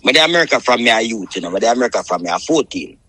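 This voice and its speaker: A Jamaican man in his fifties talks casually as an interview guest. His voice is bright and forceful, at an average male pitch. The sound is dry. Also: lively intonation, racing, slightly rough, no room sound. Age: 50s. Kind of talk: casual phone conversation.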